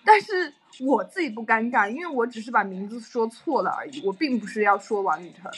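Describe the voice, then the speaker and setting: A woman's voice: a little high, expressive, a little fast, breathy edge, faint music behind. A young adult woman chatting casually on a livestream and telling stories animatedly with frequent laughs.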